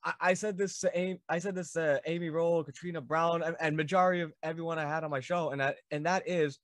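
A man's voice: on the high side, fairly even intonation, quick pace, a bit bright, no echo, clean studio sound. A man in his thirties hosting a video-call interview, eager and fan-like, with frequent stumbles and restarts. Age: 30s. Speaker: podcast host.

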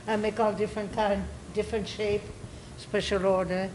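A woman's voice: mid-range voice, little pitch movement, moderate pace, noisy background. Bakery owner woman. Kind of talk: casual chat. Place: small bakery shop, indoors.

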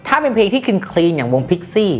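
A woman's voice: mid-range voice, sing-song, moderate pace, over music. A woman hosting a casual tech product review, chatty and playful, with teasing asides to her viewers.

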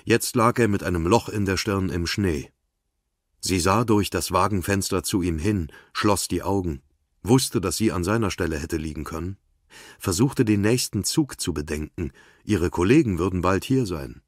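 Deep-voiced man narrating a thriller. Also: normal speed, dry recording, studio quality. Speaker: audiobook narrator.

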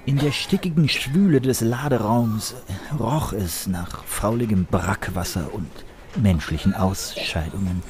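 A man's voice: lowish voice, a little mellow. A man narrating a scripted first-person adventure in a grandiose, ornate storytelling manner. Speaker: narrator and hero of an audio play.

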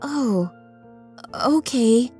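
A woman's voice: on the high side, lively intonation, extremely slow, warm tone, soft background music. A woman playing an eager, easily flustered young medical assistant in an audio drama, polite and a little awkward.

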